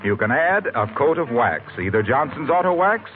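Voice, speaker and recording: A man as a 1940s radio announcer with a brisk, salesy delivery. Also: medium pitch, big pitch swings, slight background noise. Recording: tinny old radio with faint music.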